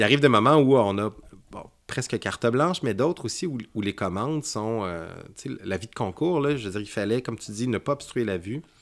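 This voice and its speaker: A man speaks at a fairly quick pace with a Quebec accent and lively intonation, on a very clean recording with a silent background. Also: medium pitch for a man. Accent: Québécois French. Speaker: visual artist. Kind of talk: casual interview.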